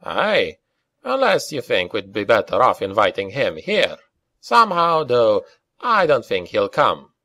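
A man voicing a calm, wry Scottish mercenary with a lilting burr in an audiobook. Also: medium pitch, a little slow, no echo, studio quality, full character voice. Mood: cheerful, wry.

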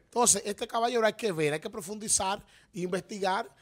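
Animated Dominican man co-hosting a talk show. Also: high voice, a little fast. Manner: animated, gesturing, emphatic rhetorical questions. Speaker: radio show co-host. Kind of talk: casual panel commentary. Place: TV-radio studio. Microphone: studio microphone on desk stand.

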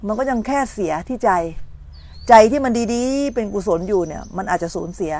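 A woman's voice: on the high side, expressive, a little fast, darkish tone. Woman, middle-aged, meditation teacher, morning dharma talk, storytelling, checks listeners follow. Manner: storytelling, acts out complaining voices, checks listeners understand.

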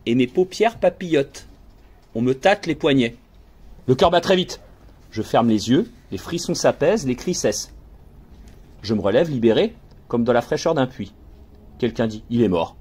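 Hushed, expressive male audiobook narrator. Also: mid-range voice, husky. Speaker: audiobook reader. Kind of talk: scripted narration.

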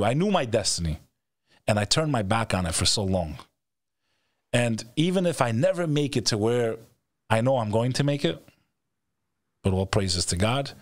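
A man's voice: medium pitch, no room sound. Dry-miked man, blunt and emphatic. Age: middle-aged. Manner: emphatic, blunt, repetitive, profane. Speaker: show host. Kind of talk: motivational interview talk. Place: indoor studio setup, video call. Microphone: close studio microphone on stand.

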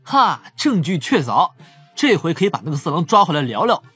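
An actor playing a wry, shrewd young police profiler in an audio drama. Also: male voice, a little high, big pitch swings, brisk, fairly bright tone, slightly rough, full character voice. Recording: faint music under the voice.

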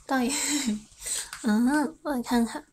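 A young woman with a high, light voice hosts a relaxed fan livestream. She talks at an unhurried pace, teasing and giggling as she reads comments aloud. A faint hiss sits under the phone recording. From China. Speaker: idol livestream host. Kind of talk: casual livestream chat with fans.

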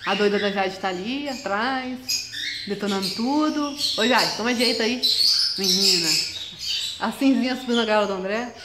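A woman's voice: on the high side, moderate pace. A young woman chatting casually about her pet parrots, scolding them playfully, in an indoor bird room. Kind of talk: casual chat to camera. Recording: echoey room, loud bird noise. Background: loud parrot squawks and chirps.

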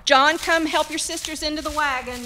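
Woman acting firm, bright-voiced frontier mother. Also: high-pitched, steady tone, slight background noise. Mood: busy, bossy. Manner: brisk, folksy, scolding. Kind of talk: radio drama acting.

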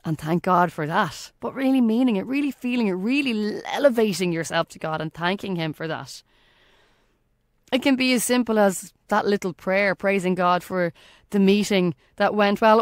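A woman's voice: fairly low pitch, no echo, studio quality. An Irish woman hosting a faith podcast, reading a scripted reflection with earnest emphasis. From Ireland. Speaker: podcast host.

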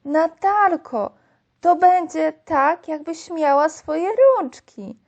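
A woman voicing a friendly, cheerful little boy in a storybook, speaking gently and encouragingly. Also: very high voice, slow, lo-fi sound, pitched above the performer's own voice, exaggerated voice.

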